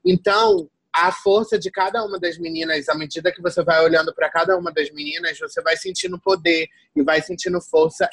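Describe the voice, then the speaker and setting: A young adult woman from Salvador, Bahia, a tired guest artist talking in an animated, slangy way full of restarts. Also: fairly low pitch, no echo, low-quality recording. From Salvador, Bahia, Brazil. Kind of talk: casual conversation.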